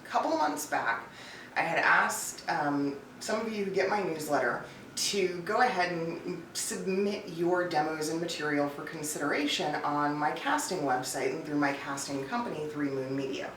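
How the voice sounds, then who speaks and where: This expressive woman's voice sits low with a slightly bright edge, moving at normal speed. She's a voice-over coach and casting director giving casual, emphatic advice in a vlog to camera that feels scripted, recorded with a distant mic, roomy echo, and faint noise.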